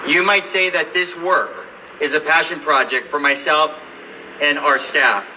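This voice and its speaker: A man from Los Angeles, a lawyer and advocate, giving a measured, earnest speech at a press event. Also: on the high side, fairly even intonation. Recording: distant mic with light background noise.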